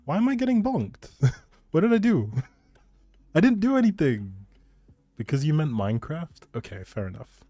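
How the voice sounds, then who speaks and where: A man's voice: on the high side, big pitch swings, normal speed, long pauses, warm tone, no echo. A man chatting casually with viewers as a live game streamer, in a laid-back, informal and reassuring way. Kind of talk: casual livestream chat with viewers.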